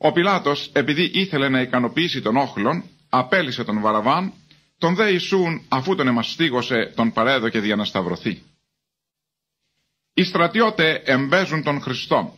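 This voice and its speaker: A man's voice: medium pitch, lively intonation, pushed and bright. Man reading scripture aloud. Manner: measured, formal reading. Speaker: Bible reader.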